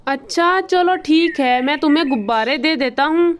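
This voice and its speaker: A woman voicing a grown-up male crow who sells balloons, speaking gently to a child in a cartoon. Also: sits high, normal speed, a little hiss or hum, lightly acted. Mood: puzzled.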